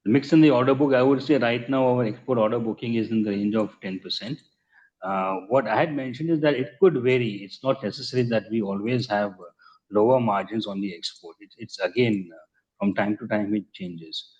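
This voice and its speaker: An Indian man answering investor questions as a company executive on an earnings call, in measured, hesitant phrasing with repeated words. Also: on the low side, a little mellow, breathy edge. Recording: muffled conference call audio.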